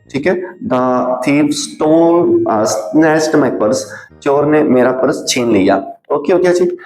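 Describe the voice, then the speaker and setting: A man teaching a spoken lesson, saying each example word over and over so it sticks. He works through rules one by one and slows down for short English sample sentences. His voice rings a little in an echoey room, with faint music underneath. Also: medium pitch, darkish tone. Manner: drills each word by repeating it several times.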